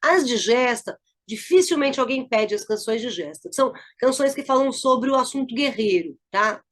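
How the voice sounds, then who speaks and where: A woman's voice: fairly high pitch, expressive, moderate pace. A middle-aged woman teacher with a Brazilian Portuguese accent, explaining a lesson and checking in often with her listeners. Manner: explanatory, checks in with frequent tags. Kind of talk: recorded lesson review.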